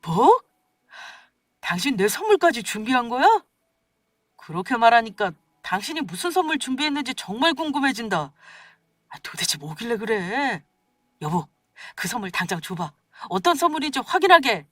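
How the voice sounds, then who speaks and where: Woman doing a stammery pleading husband, highish lively voice, dry and kinda far from the mic. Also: moderate pace, no echo. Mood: smug. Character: sheepish scheming adult husband, man.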